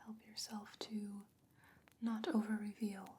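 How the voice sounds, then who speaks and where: A woman playing a calm, knowing sorceress in a fantasy ASMR roleplay, speaking in a hushed, breathy, deliberate whisper. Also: mid-range voice. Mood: quietly advising.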